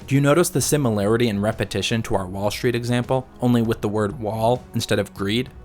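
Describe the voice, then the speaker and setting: A man narrating a scripted video essay in a measured, analytical way. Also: lowish voice, a little mellow, faint music behind.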